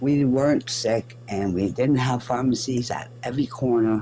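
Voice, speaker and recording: With noticeable background noise, a woman speaks at a very deep, low pitch and a fairly slow pace, her pitch varying in an ordinary way. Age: 60s. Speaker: caller. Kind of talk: heated debate.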